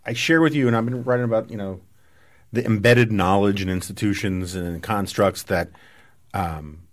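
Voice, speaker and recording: A man with a somewhat low voice, hosting a relaxed conversation. He drifts through long, chatty tangents and builds his points with everyday analogies. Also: moderate pace. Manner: discursive, riffing on analogies. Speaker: podcast host. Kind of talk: casual political conversation.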